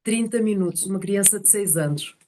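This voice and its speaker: A woman telling casual personal stories to a group on a video call, animated and often searching for words. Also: mid-range voice, a little fast, a little hiss or hum. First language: Portuguese is one of several languages spoken.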